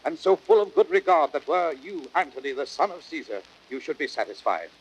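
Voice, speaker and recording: An actor playing an earnest, noble Roman conspirator, grave and reasoning, with formal, deliberate oratory in a 1930s radio Shakespeare style. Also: male voice, fairly high pitch, sing-song, breathy edge. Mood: firm, earnest. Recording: noisy old 1930s radio broadcast recording.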